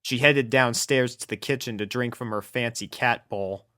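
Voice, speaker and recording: A man's voice: mid-range voice, moderate pace, sharp tone, clean tone, no echo, studio quality. A man reading a scripted story aloud as narrator, in a dramatic storybook manner. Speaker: fan fiction narrator.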